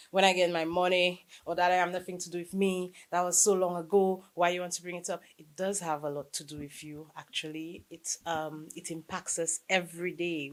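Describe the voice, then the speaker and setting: A woman from Saint Lucia speaking as a guest on a morning show, earnest and emphatic about her cause. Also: lowish voice. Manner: earnest, emphatic, rising to passionate points. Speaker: reparations advocate guest.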